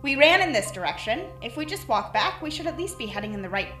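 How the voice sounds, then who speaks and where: A woman voicing a blunt, deadpan woman lost in dark hallways in an audio drama. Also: sits high, quick pace, heavily acted. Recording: echoey room with music behind.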